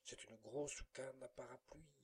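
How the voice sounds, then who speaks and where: A man reading a classic story aloud as an audiobook narrator, lively, giving voices to the characters. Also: mid-range voice, a little slow, breathy edge. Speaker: audiobook reader. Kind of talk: scripted narration.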